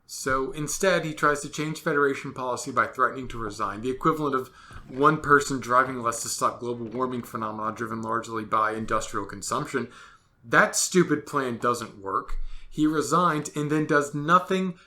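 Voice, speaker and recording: A man's voice: medium pitch, moderate pace, bright, forceful tone. A man ranting sarcastically in a solo commentary monologue, exasperated and full of absurd comparisons. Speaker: podcast host.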